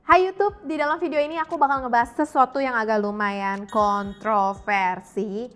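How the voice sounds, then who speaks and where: A woman's voice: on the high side, fairly even intonation, normal speed, a bit bright, soft background music. A young adult woman talks candidly and casually to her viewers, dropping English phrases into her chat. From Indonesia, mixed European and Indonesian family. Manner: frank, chatty, code-mixing English phrases. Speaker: YouTube health and fitness vlogger.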